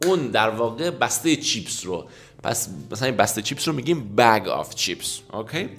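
A man teaching an English lesson in Persian, explaining and slowly repeating English phrases. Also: on the low side, big pitch swings, a bit bright, soft background music. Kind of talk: language lesson.

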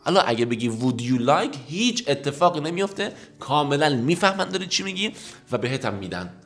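A man teaching an English lesson in Persian, explaining and slowly repeating English phrases. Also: fairly high pitch, big pitch swings, fairly bright tone, soft background music. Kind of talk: language lesson.

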